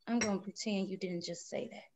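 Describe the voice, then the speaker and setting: A woman's voice: medium pitch, steady tone, brisk, darkish tone, a little hiss or hum, lightly acted. A woman reading the part of a worried, stubborn pregnant wife in her thirties, scolding in rural Southern speech in a drama table read. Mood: worried, firm.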